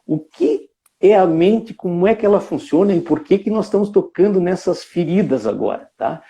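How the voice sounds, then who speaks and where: A man's voice: high voice, lively intonation, normal speed, mellow. A man from Brazil giving a reflective live talk, musing aloud with frequent tag questions and restarts. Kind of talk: reflective spoken lecture.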